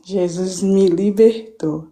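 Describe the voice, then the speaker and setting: Woman, mellow warm voice, fervent rambling testimony, restarts a lot, live stream from home. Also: fairly low pitch, slow pace. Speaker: guest giving a church testimony.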